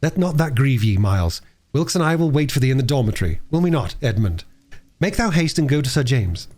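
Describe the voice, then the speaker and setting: A man's voice: mid-range voice, big pitch swings, brisk, darkish tone. A man voicing a chiding, brotherly young squire with archaic phrasing in a storybook reading. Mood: reassuring.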